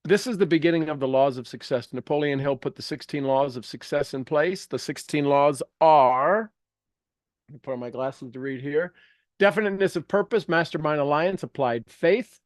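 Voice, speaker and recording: A man's voice: on the high side, moderate pace, no room sound, studio quality. A man giving an informal, emphatic motivational lesson, reading aloud and breaking off into rambling asides, often repeating phrases for effect. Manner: rambling, self-interrupting. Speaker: motivational teacher reading and commenting on a self-help book. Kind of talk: informal live teaching with read-aloud passages and asides.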